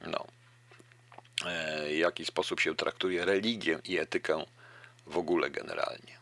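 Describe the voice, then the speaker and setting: Deep gravelly man commenting casually. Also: fairly even intonation, normal speed, a bit bright, dry recording. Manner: musing, addresses listeners as "proszę państwa". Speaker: book reader and commentator. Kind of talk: reading aloud and casual commentary.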